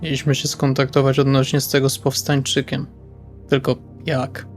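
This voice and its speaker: A man chats casually as a player in a tabletop role-playing game. His pitch is average for a man, and quiet music runs beneath his voice. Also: completely flat delivery, normal speed. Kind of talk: casual in-character table talk. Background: background music.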